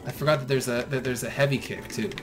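A man's voice: mid-range voice, fairly even intonation, fast talker. A young man co-hosting a let's play, bantering dryly and muttering while he plays. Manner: dry, joking, mutters while playing. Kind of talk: casual gameplay banter. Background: game music.

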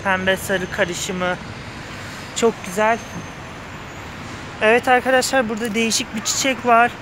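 A man's voice: sits high, steady tone, unhurried. A man speaking through a face mask, slightly muffled, giving an enthusiastic, gushing casual vlog commentary to viewers. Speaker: vlogger. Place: outdoors on a street pavement outside a flower shop. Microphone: handheld phone behind the camera. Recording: street noise with passing cars. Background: cars, outdoor urban ambience.

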